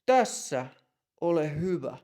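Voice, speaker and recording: A man's voice: fairly high pitch, very animated, darkish tone. A man voicing a nervous young man who stammers and gets flustered in a short lesson dialogue. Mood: hesitant.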